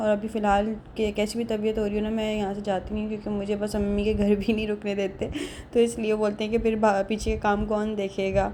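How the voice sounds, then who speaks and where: A woman with a fairly high pitch and a dark, mellow tone speaks at a moderate pace. Her intonation is monotone and flat. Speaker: vlogger. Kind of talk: casual vlog narration. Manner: low-energy.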